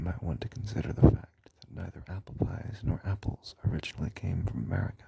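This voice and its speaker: Someone whispers. The pace is fairly quick. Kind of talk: ASMR whisper video, random facts talk to camera. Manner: soft-spoken.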